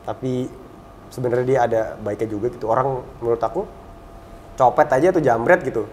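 Man, 30s, casual storytelling, mid-pitched voice, reflective and soft, some background noise. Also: fast talker. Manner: relaxed, reflective, drops to a soft low voice on sad memories. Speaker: talk show guest.

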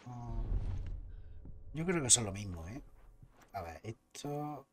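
Spanish-accented male gamer, mid-pitched, salty running commentary over noisy game audio. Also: very animated, takes it slowly. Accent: Spain Spanish. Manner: chatty, swears freely, bursts out loudly at surprises. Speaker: gameplay commentator. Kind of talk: casual let's-play commentary.

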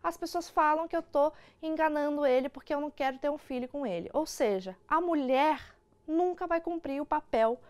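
A woman's voice: high-pitched, normal speed. A young Brazilian woman hosting an online news show, giving casual, opinionated commentary to camera. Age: young adult. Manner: informal, opinionated. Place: indoor studio.

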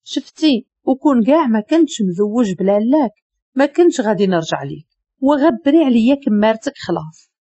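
A woman's voice: fairly high pitch, animated, a little fast, dark tone, slightly rough, no echo. Woman reading as a cold, harsh Moroccan businessman. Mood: angry. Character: stern cold businessman, hard and angry.

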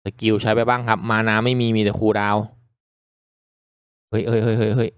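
A man giving casual, reactive commentary as he hosts a mobile game playthrough, chatting politely to viewers with excitable exclamations. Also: fairly low pitch, fairly quick, smooth, no room sound, studio quality. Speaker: gaming video host.

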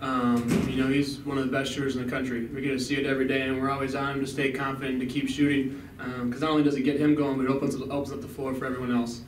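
A man's voice: medium pitch, little pitch movement, rapid-fire, hardly any pauses. A young male college basketball player answering postgame press questions steadily, with frequent "um, you know.". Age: young adult. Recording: echoey room, mic at a distance, background noise.

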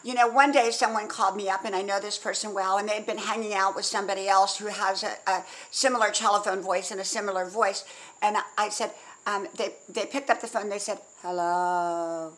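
A woman's voice: medium pitch, fairly even intonation, a little fast, a bit bright, rough recording. An older woman hosting a casual motivational talk, folksy and emphatic, listing points in repeated phrases. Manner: folksy, repetitive, emphatic lists. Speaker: host.

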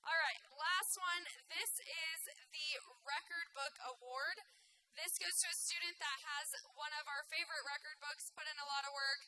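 Very high, piercing woman announcer. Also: steady tone, normal speed, bright, forceful tone, low-quality recording. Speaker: event announcer. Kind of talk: award announcements to an audience. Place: indoor livestock show arena. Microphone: event microphone.

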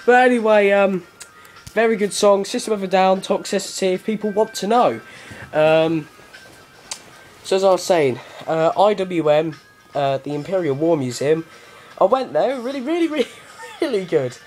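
Young male vlogger, improvised and rambling, very lively pitch. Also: moderate pace, faint music behind, rough recording. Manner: rambling, animated, with many ums and laughs. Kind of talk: improvised casual vlog. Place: bedroom.

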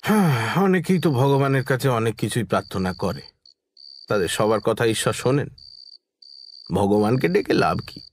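A man acting as a plain-spoken villager in a horror radio play, with a mid-pitched voice. He talks familiarly to an old friend, worried but stoic, with faint noise behind him. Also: expressive, moderate pace, lightly acted. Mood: resigned, earnest. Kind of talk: horror audio drama acting.

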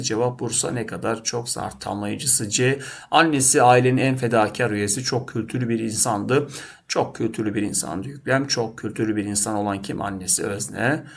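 A man's voice: on the low side, gravelly. A man teaching a lesson, working through test questions by asking and answering them himself and often addressing his students. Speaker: Turkish teacher.

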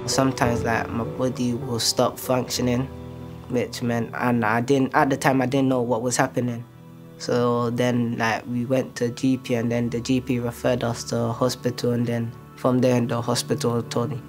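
A man's voice: mid-range voice, monotone, normal speed, soft background music. A young man describing his illness hesitantly, filling gaps with "like". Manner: hesitant, many "like"s. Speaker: student sailor.

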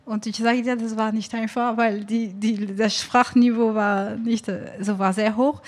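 A woman's voice: a little high, little pitch movement, measured pace. A woman in her forties from France with a French accent, speaking German as a guest and hesitating with many fillers into a handheld mic. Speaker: singer-songwriter guest. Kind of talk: casual interview chat. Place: small club stage with brick wall. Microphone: handheld microphone.

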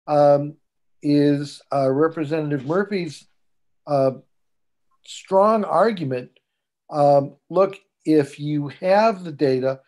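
An older man speaks at an unhurried pace in a somewhat high voice. He is a clinician summing up a committee discussion over a video call, measured and deliberate, with many fillers. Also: a little mellow. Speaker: clinician and commission subcommittee member. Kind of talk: remote committee meeting remarks. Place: home room.

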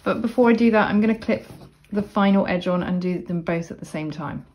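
A woman explaining sewing steps in a casual, chatty tutorial voice-over, with relaxed asides. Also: lowish voice, brisk, dull audio. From Cornwall, England. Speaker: sewing instructor. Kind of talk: casual step-by-step tutorial narration.

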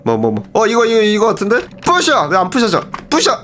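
A young man commentating a horror game, excitable and often shouting and laughing. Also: sits high, fast talker. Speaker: gaming streamer.

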